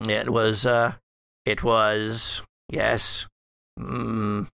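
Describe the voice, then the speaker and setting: A man playing a wry, scheming, scholarly old ancestor back from death in a tabletop horror game, speaking haltingly and formally. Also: on the low side, level tone, creaky, pushed and bright, smooth, no room sound, heavily acted. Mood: measured, secretive. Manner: halting, deliberate, formal phrasing. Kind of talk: improvised tabletop horror roleplay.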